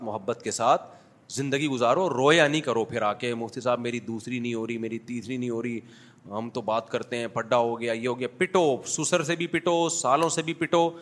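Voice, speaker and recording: A man's voice: medium pitch, a bit bright. Frank, humorous male preacher. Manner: frank, humorous storytelling with acted dialogue. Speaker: mufti giving a Sunday lecture. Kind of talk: sermon with anecdotes and audience questions. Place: mosque, before a congregation.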